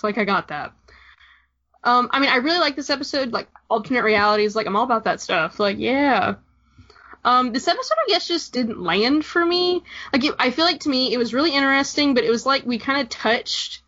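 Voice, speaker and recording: A woman's voice: a little high, fairly bright tone. Rambling woman saying "like" constantly. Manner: rambling, heavy use of "like", hesitant. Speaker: podcast co-host. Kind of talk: casual podcast chat. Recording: dull lo-fi recording.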